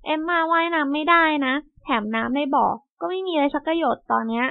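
A woman doing an excited little girl. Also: high voice, a little fast, vocal fry. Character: little girl, whiny and playful. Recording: tinny phone-like sound.

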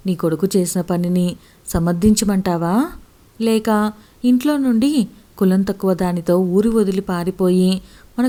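A woman voicing a stern, proud middle-aged village father who scolds and shouts in fury. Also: medium pitch, natural voice.

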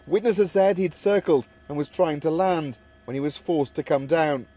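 Male reporter for scripted news voice-over, voice a little on the high side. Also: normal speed, warm tone, a little hiss or hum.

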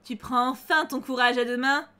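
A vengeful female tree spirit from a fantasy game, dropping her voice and stretching each threat slowly, as a young woman reads her lines aloud. Fairly high, even under the menace. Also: clean tone. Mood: menacing. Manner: slow, menacing delivery.

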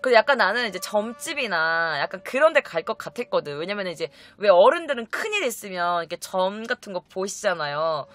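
A woman's voice: medium pitch, fairly quick, few pauses. A young woman casually telling a personal story to her viewers, acting out the voices of her relatives as she goes. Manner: animated, acts out quoted relatives in shifting voices. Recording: faint music behind.

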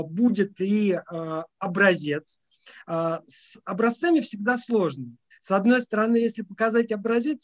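A man giving a semi-formal, unscripted briefing as an education expert, speaking haltingly with frequent drawn-out hesitations. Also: high-pitched. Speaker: education academic briefing teacher contest finalists.

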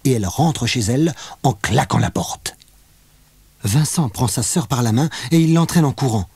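A man narrating a children's audiobook in an expressive, lively storytelling manner. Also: medium pitch, normal speed, slightly rough, dry recording.

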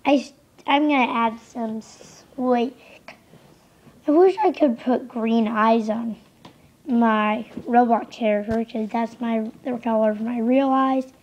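A young woman casually commenting on a game she is playing, a little hoarse from being sick, rambling and easily distracted. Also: a little high, fairly even intonation, takes it slowly, darkish tone. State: losing voice, sick. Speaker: gameplay commentator. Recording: slightly dull lo-fi home recording.

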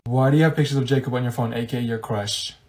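A man's voice: mid-range voice, fairly even intonation, fast talker, darkish tone, lightly acted. A man playing a blunt, incredulous teenage schoolgirl who bosses her best friend in a comedy skit. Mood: suspicious.

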